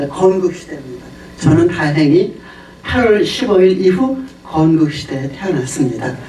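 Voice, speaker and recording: Over noticeable background noise and audible room echo, a woman's voice swings very widely in pitch. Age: 70s. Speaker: former broadcaster and lawmaker. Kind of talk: impromptu speech.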